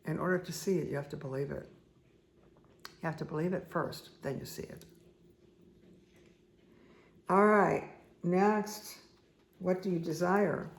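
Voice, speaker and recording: A middle-aged woman with a hoarse, croaky voice, slowly reading cards and giving soft, repetitive spiritual guidance. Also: on the low side, steady tone. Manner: slow, soothing, repetitive guidance with asides. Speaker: spiritual reader and meditation guide. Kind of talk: casual spoken card reading.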